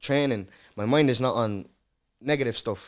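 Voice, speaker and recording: A man speaks at a medium pitch. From Netherlands, moved to Ireland at five or six. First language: Dutch. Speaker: rapper, artist. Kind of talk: casual chat, podcast interview.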